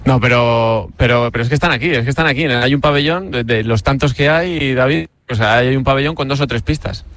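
Spanish guy from spain doing a live radio report, talks fast, chatty, keeps repeating himself. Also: mid-range voice, fairly bright tone.

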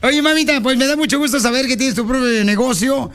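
High-voiced joking male radio host. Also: a little fast, a bit bright, soft background music. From Mexico. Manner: playful, teasing, calls the guest pet names.

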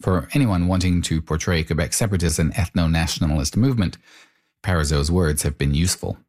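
A man narrating a documentary report in a measured, explanatory way and asking interview questions. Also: deep voice, darkish tone.

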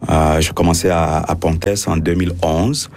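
A man's voice: low voice, level tone, normal speed, darkish tone. A French-speaking man, a priest, answering radio interview questions with many fillers and restarts.

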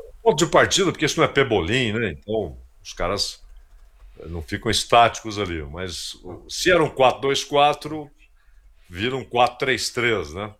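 A man's voice: lowish voice, a bit bright, breathy edge. A man commentating on a radio sports show, telling anecdotes and repeating words as he thinks. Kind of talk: casual radio chat.

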